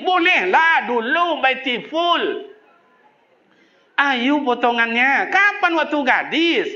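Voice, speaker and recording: A man's voice: sits high, a little hiss or hum. A man preaching a humorous sermon, teasing the congregation and mimicking local people. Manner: jokey, lively storytelling with mimicked voices. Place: mosque. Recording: echoey mosque, dull sound.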